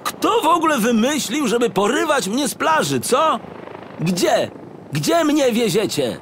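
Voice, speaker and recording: A man plays a flustered detective from a children's story, whiny and indignant. The high, forceful voice leaps about in pitch. There is faint helicopter noise behind. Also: sing-song, a little slow, heavily acted. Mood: defiant. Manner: indignant, exclamatory, stammering. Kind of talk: audiobook character acting for children.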